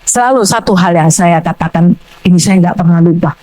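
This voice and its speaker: An older woman with a Surabaya Indonesian accent preaching a sermon in church, telling stories loudly and emphatically. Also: fairly low pitch, a little fast, low-quality recording. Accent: Surabaya Javanese Indonesian. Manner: animated storytelling, loud and emphatic, acting out dialogue.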